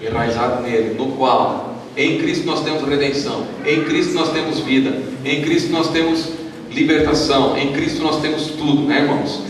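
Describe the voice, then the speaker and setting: A Brazilian pastor preaching a sermon at a youth retreat, leading the congregation in call-and-response and reading scripture aloud. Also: male voice, on the high side, normal speed, noisy background. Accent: Brazilian Portuguese. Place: large hall at a youth retreat. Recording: echoey hall, voice from far off.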